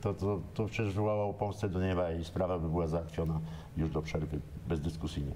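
Brief: older male pundit, low mellow voice, hesitant, faint hum. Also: little pitch movement, brisk. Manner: hesitant, searching for words. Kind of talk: studio sports talk. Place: TV studio.

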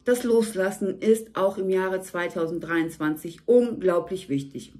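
A woman with a slightly hoarse voice gives a monthly tarot reading at a table indoors. She speaks to the viewer in a warm, reassuring way. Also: on the low side, measured pace. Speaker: tarot reader.

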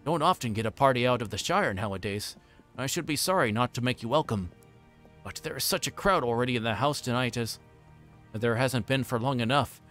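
A man voicing a bustling, forgetful fat innkeeper in a storybook reading, rambling on in a hurried, folksy way. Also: mid-range voice, fairly bright tone, soft background music, close to an everyday voice. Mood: flustered, friendly. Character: flustered, bustling, chatty fat middle-aged male innkeeper.

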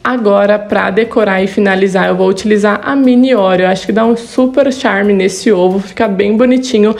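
A woman's voice: mid-range voice, fairly quick, darkish tone, faint music behind. Chatty Brazilian woman giving a recipe. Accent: Brazilian Portuguese. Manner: friendly, chatty, repeats "tá bom?". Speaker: cooking channel host. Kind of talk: recipe tutorial with voice-over. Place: home kitchen studio for the intro.

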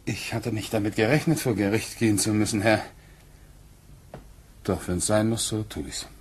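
An actor playing a plain-spoken, guarded Puritan farmer in a German radio play, blunt and measured, at times hesitant. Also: male voice, fairly low pitch, fairly even intonation, a little hiss or hum, natural voice.

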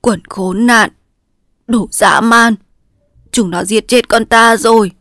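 A woman's voice: mid-range voice, fairly even intonation, a little slow, no room sound, clean studio sound. A woman voicing a dying old father who speaks weakly and solemnly, sometimes in a whisper. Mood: delirious. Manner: weak, strained, sometimes whispered.

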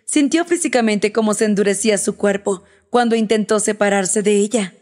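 A woman narrating a romance audiobook in a smooth, even storytelling manner. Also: mid-range voice, normal speed.

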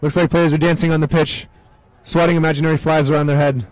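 A young man commentating a live match, mixing play-by-play with deadpan jokes. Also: a little high, fast, dry recording, poor audio. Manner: deadpan joking asides. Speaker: sports commentator. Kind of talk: comedic live sports commentary.

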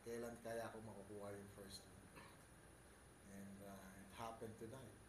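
Older Filipino coach, halting press-room answers, mixes in Tagalog, echoey room with clear noise behind. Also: male voice, on the low side, level tone. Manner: switches between English and Tagalog, halting with many fillers. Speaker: basketball head coach. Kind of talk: postgame press conference answers. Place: press room with sponsor backdrop. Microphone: table mic on stand.

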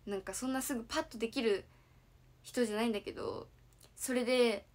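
A woman's voice: on the high side, quick pace. A young woman hosting a casual livestream, bubbly and chatty as she thanks viewers for gifts. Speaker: idol livestream host.

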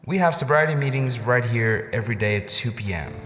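A man's voice: mid-range voice, brisk, fairly bright tone, faint music behind, lightly acted. Male group facilitator, played by an actor, formal and courteous, echoing hall acoustics, radio drama. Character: polite, composed support group leader. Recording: echoey hall.

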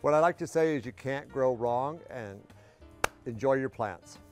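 A middle-aged man giving a live product demonstration and sales pitch as a guest expert on home shopping television. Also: measured pace, music in the background. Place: TV studio kitchen set.

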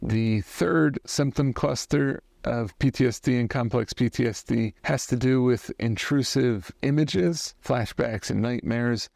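A man in his thirties, a trauma therapist, giving a measured, thoughtful lesson to camera in a study lined with bookshelves. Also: mid-range voice, vocal fry, a little mellow, dry recording, studio quality. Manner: measured, thoughtful explaining with hand gestures. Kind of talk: educational talk to camera.

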